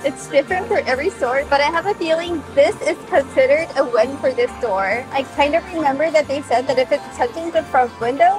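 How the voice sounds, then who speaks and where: A woman speaks at a fairly quick pace with hardly any pauses, her pitch high. Clear music plays in the background. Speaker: vlogger. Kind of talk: casual vlog chat. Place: shop. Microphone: handheld.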